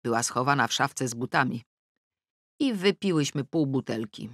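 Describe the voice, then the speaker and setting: A woman's voice: extremely low pitch, expressive, normal speed, fairly bright tone, dry recording. Middle-aged woman doing a comic audiobook diary, wry and self-pitying, swings from mutters to big outbursts, dry close mic. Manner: wry, self-mocking, swings between sulky mutters and exclamations. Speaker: audiobook narrator. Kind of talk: first-person audiobook narration.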